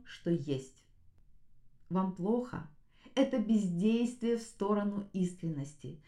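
A woman's voice: mid-range voice, warm tone, roomy sound. A woman giving motivational commentary as a podcast host, speaking earnestly and emphatically and addressing her listeners directly.

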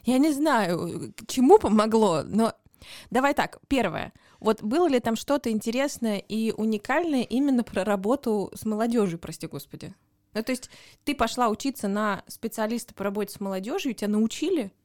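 A woman's voice: a little high, animated, a little mellow, no room sound. Woman, young adult, podcast co-host, casual questioning, dry close recording. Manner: curious questioning, quick follow-ups. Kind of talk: casual chat.

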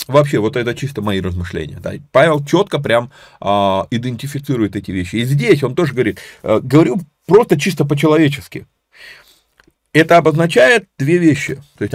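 A man's voice: mid-range voice, dry recording, clean studio sound. A man hosting a live-stream Bible study, talking conversationally with many fillers and restarts. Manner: grows emphatic while expounding scripture. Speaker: Bible teacher.

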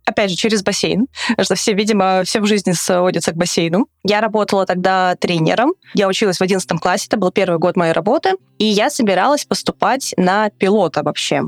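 A young woman in her twenties chats as an interview guest. She talks very quickly in a mid-pitched voice, spinning out casual, animated stories. The studio sound is dry and close. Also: no room sound. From Russia. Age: 20s. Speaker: interview guest, travel writer and swimming coach. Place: recording studio.

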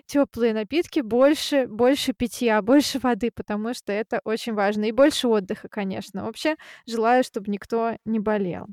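A woman from Siberia hosting a podcast, talking in a friendly, lively way in casual chat. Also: fairly high pitch, normal speed, few pauses, no echo, clean studio sound. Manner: friendly, lively, laughs easily. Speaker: podcast host.

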